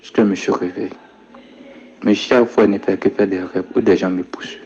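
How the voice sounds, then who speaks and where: A young man telling a personal testimony in a soft-spoken way, dropping his voice low when he quotes his grandfather. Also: fairly even intonation, brisk. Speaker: storyteller recounting his life. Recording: dull lo-fi recording.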